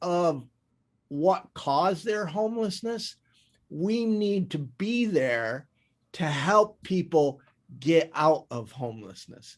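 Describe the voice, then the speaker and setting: A man's high voice with an American accent, very slow, with very wide pitch swings, quiet background. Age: 60s. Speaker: nonprofit founder and filmmaker. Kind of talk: interview.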